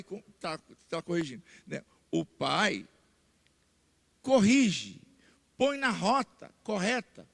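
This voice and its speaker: High gravelly Brazilian pastor preaching. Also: male voice. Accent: Brazilian Portuguese. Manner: repeats key points, rising to loud emphatic declarations. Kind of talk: sermon. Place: church sanctuary. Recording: long church hall reverb.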